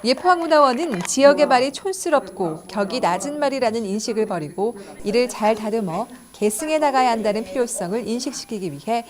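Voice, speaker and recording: A woman reporter narrating a news segment in a formal, measured way. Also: a little high, lively intonation, a crowd in the background.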